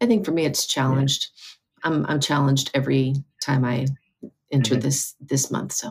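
A woman's somewhat breathy, very deep, low voice at a fairly quick pace, with ordinary pitch variation and long, frequent pauses. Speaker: team member. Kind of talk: casual panel conversation.

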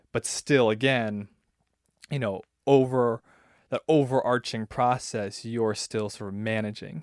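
In a very clean recording with a silent background and a dry, close sound with no echo, a man of medium pitch talks at a fairly slow pace with fairly even intonation and long, frequent pauses. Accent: Californian. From Southern California (San Bernardino). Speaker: TV producer and showrunner. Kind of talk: interview. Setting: studio.

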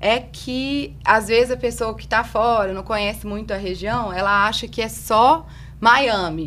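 A woman speaks with a slight Minas Gerais accent. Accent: faint Minas Gerais Brazilian. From Brazil, Minas Gerais. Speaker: journalist podcast host. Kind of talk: interview.

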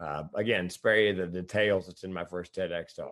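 In an American accent, a man speaks with a very deep, low pitch. His intonation is fairly even, and the background is quiet. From US South. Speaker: comedian and suicide prevention speaker. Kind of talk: casual interview chat.

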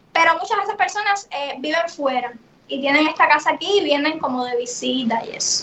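Her pitch high, a woman speaks at a fairly quick pace. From Cuba. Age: 20s. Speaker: youtuber and industrial engineer. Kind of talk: interview.

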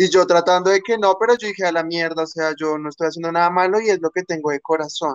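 A man at a very fast pace, high pitch and fairly even intonation. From Bogotá, Colombia. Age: 20s. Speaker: ballroom dancer. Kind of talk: panel discussion.

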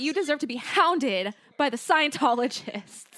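A woman's intonation bounces lively as noticeable noise fills the background. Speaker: podcast host. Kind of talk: casual chat. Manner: animated.

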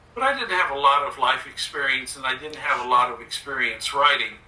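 A man talks while noticeable background noise plays behind him. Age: 60s. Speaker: retired software engineer and author. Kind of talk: interview.

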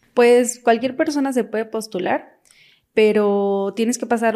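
Her voice is fairly high for a woman yet dark and mellow in tone, moving at a moderate pace with ordinary pitch variation. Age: 20s. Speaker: former surrogate mother. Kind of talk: testimony.

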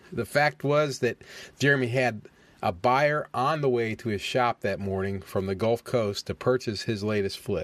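A man's unremarkable speaking voice, medium in pitch, with ordinary pitch variation and a fairly slow pace. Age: 50s. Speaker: podcast host and used car dealer. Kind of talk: casual interview.

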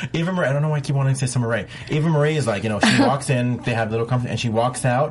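A man talks at a very fast pace with ordinary pitch variation. Noticeable background noise sits behind him. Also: medium pitch for a man. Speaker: podcast host. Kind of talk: casual after-show chat.

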